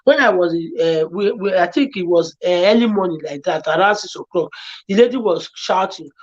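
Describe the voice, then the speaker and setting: A woman's voice: on the low side, lively intonation, moderate pace, lo-fi sound. A woman with a Nigerian accent, a guest on a talk show, giving earnest, repetitive and pleading advice. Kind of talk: emotional advice-giving chat.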